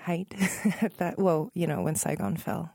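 A woman in her thirties from Northern Virginia, a musician answering interview questions in a relaxed, thoughtful way, pausing and correcting herself and laughing softly. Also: on the low side, gravelly, husky, no echo, studio quality. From Northern Virginia, USA. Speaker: musician guest.

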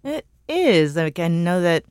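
Woman, podcast co-host, animated pitch, dry close sound, chatty and laughing. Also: unhurried, clear, resonant tone, no echo. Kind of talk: casual chat.

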